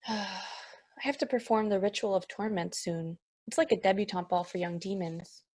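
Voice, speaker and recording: A woman's voice: medium pitch, fairly even intonation, moderate pace, darkish tone, lightly acted. A woman playing an insecure, timid teenage demon from hell in a comedy script read, apologetic and polite. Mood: stressed, glum.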